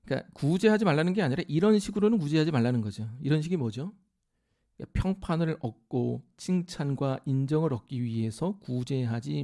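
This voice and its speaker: Animated Korean pastor preaching a sermon. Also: male voice, medium pitch. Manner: animated preaching, acting out self-righteous quoted voices. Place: church sanctuary.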